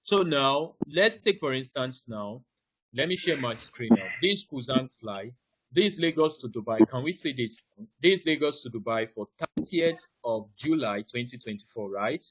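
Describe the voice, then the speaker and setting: A man's voice: medium pitch, animated, unhurried, fairly bright tone, slightly rough, dry recording. A man running a live online ticketing class over a video call. He walks through each step, keeps saying "now", and quizzes the listeners. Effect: heard over a video call. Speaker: ticketing trainer. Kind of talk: live online training presentation. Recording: dull, dry video-call audio.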